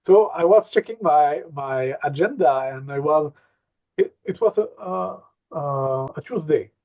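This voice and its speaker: Slow-talking, fairly high-voiced man. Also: expressive, darkish tone. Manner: hesitant, many fillers and repeats. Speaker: hypnosis trainer. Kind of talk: casual interview storytelling.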